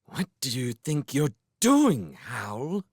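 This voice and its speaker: A man's voice: mid-range voice, wildly swooping pitch, slow pace, darkish tone, husky, dry recording, studio quality, pitched above the performer's own voice, heavily acted. A man voicing a fierce, outraged mother scolding in an audiobook. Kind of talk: audiobook character voice.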